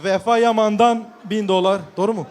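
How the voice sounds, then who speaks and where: High-pitched male wedding announcer, noisy crowd. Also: fairly even intonation, a little fast. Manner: projected, formulaic announcer delivery with repeated thanks. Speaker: wedding gift ceremony announcer. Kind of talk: loud celebratory announcing, calling out names and gifts. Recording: live event, crowd chatter, background noise. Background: crowd and ambient noise.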